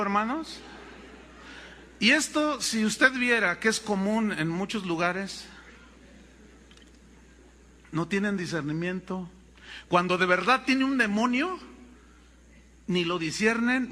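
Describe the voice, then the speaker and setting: Brief: Mexican man, pastor, lively sermon storyteller, high bright voice. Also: long reverb tail, slight background noise. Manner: animated storytelling, addresses congregation as brothers.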